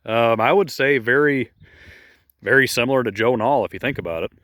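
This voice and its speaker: A man's voice: mid-range voice, brisk, a bit bright, no room sound, clean studio sound. Chatty man rambling outdoors on a phone. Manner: rambling and chatty, with many fillers. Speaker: model airplane club member giving a field tour. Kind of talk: casual walking tour narration. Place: outdoors at a grassy flying field. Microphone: phone held while walking.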